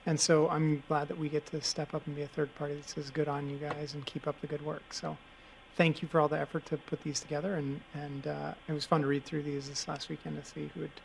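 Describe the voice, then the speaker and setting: A male commissioner speaking in a gravelly, rather monotone voice that sits a bit high. His remarks are halting, with many pauses and filler sounds. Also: slight background noise, low-quality recording. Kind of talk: formal meeting remarks.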